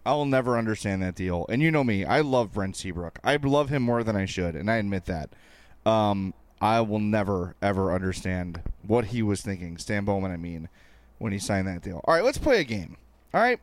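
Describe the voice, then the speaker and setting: A man's voice: lowish voice, expressive, normal speed, no room sound. A man co-hosting a casual sports podcast, talking in a wry, joking manner. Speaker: podcast co-host.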